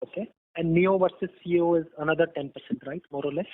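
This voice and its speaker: A man with a slightly high voice talks very quickly over a phone-like line. He is an analyst asking follow-up questions on a conference call. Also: fairly even intonation. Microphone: telephone line. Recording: phone-like line with faint background noise.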